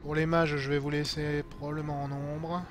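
Higher-pitched man streaming a game. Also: little pitch movement, moderate pace, soft background music. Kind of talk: casual live gameplay commentary. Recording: game sound clearly behind voice. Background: video game noise and ambience.

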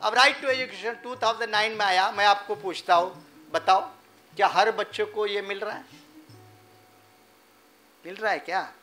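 A man's voice: sits high, fairly even intonation, measured pace, long pauses, pushed and bright, faint music behind. A man giving a public lecture, asking the crowd rhetorical questions and mocking the people he quotes. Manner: rhetorical, asks the audience questions. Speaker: public speaker.

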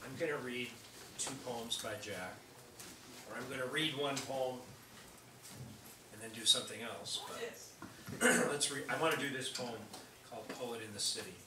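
A man slowly reading a poem aloud at a live event. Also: mid-range voice. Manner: slow, deliberate recitation. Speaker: reader at a book release. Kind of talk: poetry reading. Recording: roomy, distant mic with faint noise.

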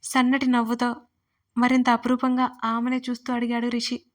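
A woman, writer and narrator of her own audio romance stories, telling them in a steady, even manner. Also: a little high, moderate pace.

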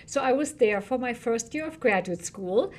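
A woman in her forties with a German accent, a historian giving an animated lecture over a video call from a small office. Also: a little high, moderate pace. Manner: animated, laughing, with short fillers. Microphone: podcast mic on desk, video call.

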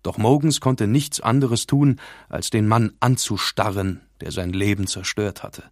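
A man reading an audiobook in a measured, dramatic scripted narration, recorded in a studio. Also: on the low side, dry recording.

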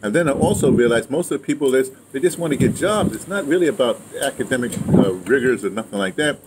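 A man of about seventy, reminiscing casually in a rambling, halting way, circling back to his point. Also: mid-range voice, lively intonation. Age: around 70. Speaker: interviewee, theater and radio drama veteran. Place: outdoors in a yard beside a house. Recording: clear outdoor ambient noise.

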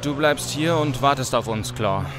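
An actor playing a cocky, streetwise buddy in a German radio play. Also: male voice, medium pitch, normal speed, over music, close to an everyday voice. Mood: matter-of-fact.

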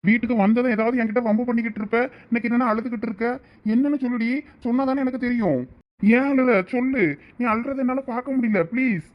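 Fast, high man playing a caring husband. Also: highs cut off, close to an everyday voice. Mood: worried. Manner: coaxing, affectionate, teasing. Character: caring young husband, a supervisor. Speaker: actor in a village family skit. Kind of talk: village comedy-drama acting.

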